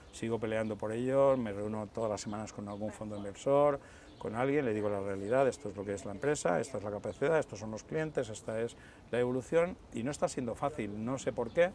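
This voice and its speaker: This man has an ordinary speaking voice, medium in pitch with ordinary pitch variation, and he moves at a fairly quick pace. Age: 60s. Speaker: car company founder. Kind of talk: interview.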